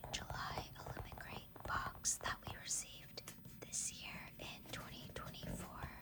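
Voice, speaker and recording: Whispering at a fairly slow pace, the speaker is heard over noticeable background noise. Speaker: booktube / ASMR content creator. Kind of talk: ASMR unboxing, whispered talk to camera. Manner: whispered, soft-spoken.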